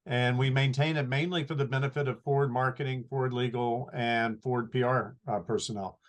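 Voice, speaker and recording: A man answering interview questions as a company archivist, informative and measured, full of detail. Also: mid-range voice, steady tone.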